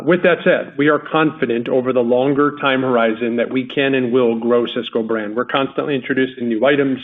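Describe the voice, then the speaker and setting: A company executive, a man, answering an analyst on an earnings call in a confident, emphatic way. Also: mid-range voice. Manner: confident, emphatic business talk. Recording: tinny phone line.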